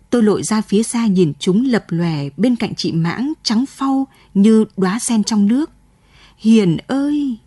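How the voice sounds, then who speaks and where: A woman narrates a late-night radio story in a slow, sorrowful manner. Her voice is warm and mellow with a soft, husky edge, and the studio sound is close and dry. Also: medium pitch, dry recording.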